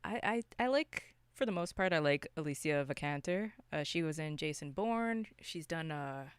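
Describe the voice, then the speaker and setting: Clear-voiced, opinionated podcast co-host from Canada. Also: mid-range voice, expressive, normal speed, no echo. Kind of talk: casual chat about movies.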